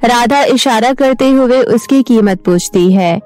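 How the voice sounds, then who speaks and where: A woman narrating an animated children's story in a calm storytelling way. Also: fairly high pitch, unhurried, faint music behind.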